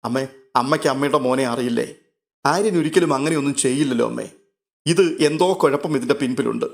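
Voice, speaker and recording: A man's voice: medium pitch, fast, gravelly, natural voice. A man voicing a tearful young woman insisting her husband did nothing wrong. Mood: insistent. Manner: sobbing, insistent.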